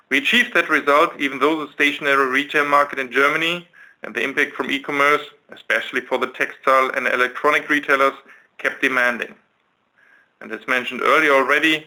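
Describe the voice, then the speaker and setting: A man giving a scripted financial results presentation as a chief executive, in a formal, measured manner. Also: medium pitch, sharp tone, poor audio. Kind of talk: scripted financial presentation on an investor conference call.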